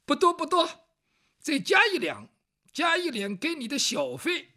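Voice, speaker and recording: A cheerful, shameless young gentleman talking breezily and loudly, as a storyteller puts him on. His bright voice swings lively up and down. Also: high-pitched, measured pace, pitched above the performer's own voice, exaggerated voice. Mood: breezy.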